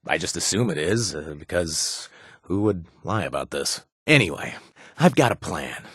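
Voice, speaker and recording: An actor voicing a chatty, self-deprecating young ex-raider bartender in a video game, with a husky voice. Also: male voice, low voice, no room sound, clean studio sound. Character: wisecracking male ex-raider turned bartender. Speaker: companion character.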